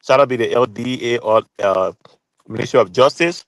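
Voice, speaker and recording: A man's voice: mid-range voice, moderate pace, fairly bright tone, no room sound, rough recording. A man, calling in as a guest commentator from work and speaking emphatically and pointedly. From Liberia. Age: 40s. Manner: emphatic, pointed, repeats key phrases. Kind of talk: earnest call-in commentary. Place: calling in remotely from his workplace.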